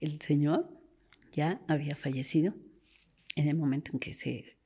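A woman's voice: deep voice, normal speed, warm tone, breathy edge. A woman, a forensic doctor telling stories in conversation, acting out quoted voices and sometimes dropping to a whisper. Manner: acts out quoted voices, drops to a whisper at times. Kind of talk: storytelling in conversation.

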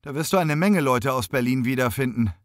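A young policewoman in an audiobook, brisk and matter-of-fact, lifted higher than the reader's own voice, as a male narrator puts her on. The recording is close and dry. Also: animated, no echo, lightly acted. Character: young female police officer, brisk and sober.

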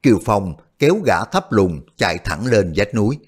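A male storyteller reading a wuxia novel aloud. His delivery is animated, with a wide, lively pitch that lifts the scenes. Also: normal speed, husky. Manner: expressive, animated. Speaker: audiobook narrator. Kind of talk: scripted storytelling narration.

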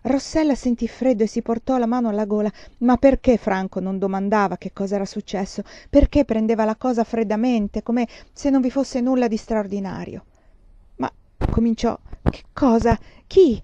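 A woman reading a novel aloud in a measured, steady narration. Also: on the high side, dry recording, highs cut off. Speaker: audiobook narrator. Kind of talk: scripted literary narration.

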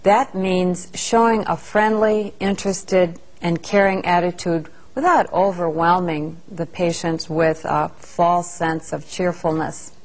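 Calm, low-voiced woman narrating a lesson. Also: slow, hardly any pauses, rough recording. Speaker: instructor narrating a training lesson. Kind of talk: scripted narration.

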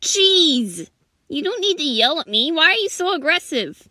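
A woman's voice: mid-range voice, unhurried, mellow, dry recording, clean studio sound, recorded from a distance, voice pushed down, natural voice. A woman voicing a devoted, anxious male animal who is about to become a father, earnest and tender. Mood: hurt.

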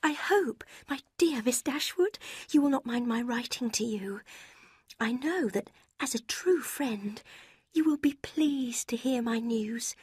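A woman voicing a sugary, scheming young woman who reads her own letter in a sweet, gushing, breathy way. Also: a little high, unhurried, dry recording, clean studio sound, pitched above the performer's own voice.

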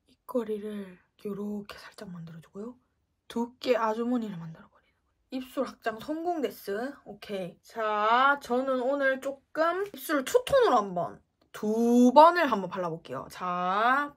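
A young woman in her twenties talking through a makeup tutorial, playful, often dropping to a whisper between bright exclamations. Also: medium pitch, slightly rough. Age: 20s. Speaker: beauty vlogger.

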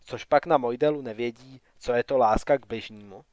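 A man voicing a sardonic young male wanderer who grumbles and mocks, read softly in an audiobook. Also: mid-range voice, no room sound, muffled recording, natural voice.

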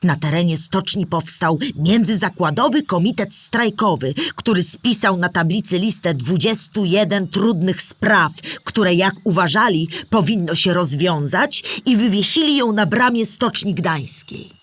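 Clear-spoken female storyteller for children. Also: lowish voice, lively intonation, measured pace, few pauses, no room sound. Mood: explanatory, measured. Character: Historyjka, female storyteller explaining Polish history to children. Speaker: narrator of a children's audio drama. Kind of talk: scripted educational narration for children.

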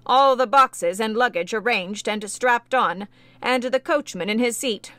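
A woman reading as an impatient, commanding gentleman. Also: on the high side, measured pace, dry recording. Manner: brusque, clipped orders.

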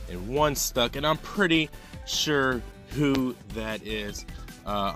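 A young man hosting an app review vlog, talking with energetic, salesy hype and catchphrases on a lapel mic. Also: mid-range voice. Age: young adult. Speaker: host.

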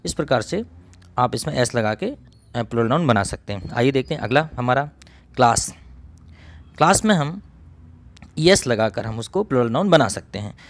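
A man teaching English grammar in a recorded coaching lesson, explaining each rule step by step, repeating phrases and clearing his throat now and then. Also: medium pitch, lively intonation, moderate pace, long pauses.

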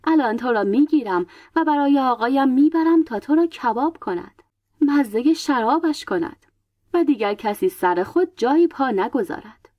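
A woman storyteller voicing a brutish male demon guard, threatening and slow. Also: high-pitched, animated, no room sound, highs cut off. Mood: menacing.

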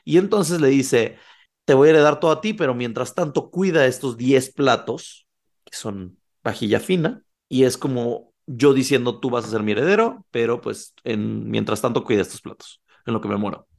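Man, podcast co-host, casual horror storytelling, gravelly voice, acts out quotes. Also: mid-range voice, normal speed. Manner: animated, acts out quoted lines.

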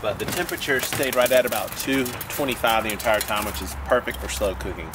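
A man in his thirties hosting a casual how-to vlog outdoors in a backyard, chatting in a loose, relaxed way with restarts. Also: medium pitch, brisk, far from the mic. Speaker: host. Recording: outdoor noise behind.

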